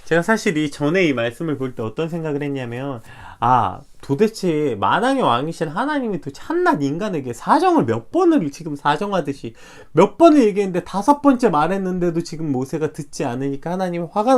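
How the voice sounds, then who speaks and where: Male pastor giving a morning devotion; animated delivery with wide, lively intonation. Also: a little high, brisk. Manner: animated, acts out quoted dialogue, rhetorical questions.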